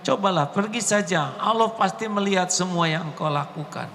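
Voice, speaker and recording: A man's voice: sits high, moderate pace, fairly bright tone, long reverb tail, pitched above the performer's own voice. A man doing a devout, firm father. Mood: coaxing.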